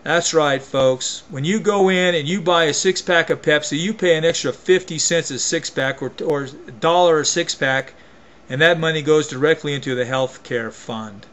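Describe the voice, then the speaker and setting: A man's voice: on the high side, normal speed, a bit bright. A man delivering an opinion rant to camera as a vlogger, emphatic and folksy, often restarting and repeating his phrases.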